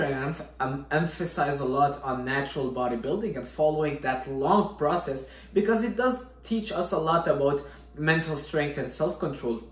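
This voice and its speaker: A young man with a somewhat high voice, speaking earnestly about discipline as a fitness vlogger. He keeps checking in with his listener. The room around him rings with echo. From Syria. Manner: earnest, repeats "all right?" often. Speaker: fitness vlogger, natural bodybuilder. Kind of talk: motivational talk to camera. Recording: echoey room.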